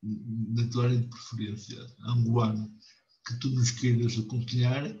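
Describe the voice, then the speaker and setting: A middle-aged man hosting a relaxed interview from his home office, talking animatedly close to his webcam. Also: medium pitch, moderate pace. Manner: animated, leans close to the camera. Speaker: interview host. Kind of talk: casual interview chat. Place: home office with wooden door. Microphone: webcam on a video call. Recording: roomy, dull video call audio.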